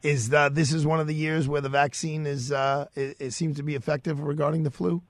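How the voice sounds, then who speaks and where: A man's voice: fairly high pitch, level tone, a little fast, no room sound. A middle-aged man, hosting a radio show in casual, loose, familiar talk, a little under the weather. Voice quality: raspy. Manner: warm, familiar, loose with fillers. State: slightly sore throat. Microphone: studio microphone.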